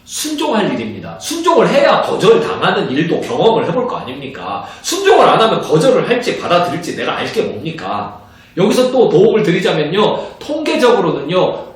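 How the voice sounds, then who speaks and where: Man, pastor, animated training lecture, acts out dialogues, distant mic, heavy room echo. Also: a little high. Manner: animated, acts out little dialogues in different voices.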